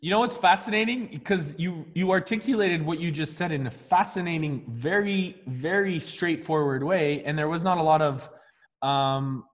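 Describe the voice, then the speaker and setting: A man with a Canadian accent leads a coaching session, his voice sitting a touch high. He asks encouraging questions and restarts his sentences often. A long reverb trails behind his voice. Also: moderate pace. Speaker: mindset coach.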